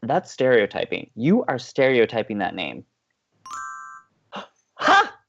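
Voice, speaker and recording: A man's voice: medium pitch, wildly swooping pitch, slow, vocal fry, fairly bright tone, lo-fi sound, heavily acted. A man playing an upbeat, playful young college radio co-host with an American accent, teasing and eager, in audio drama banter. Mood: playful, cheery. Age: young adult.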